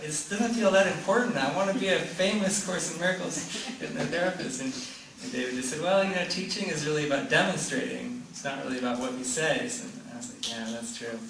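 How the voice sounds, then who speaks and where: Against a background crowd, a man with a fairly high voice talks fairly quickly, with few pauses, telling a personal story to a group gathered in a room. He rambles, restarts, says "like" constantly and laughs often. The room is echoey, the mic sits far off, and there is background noise.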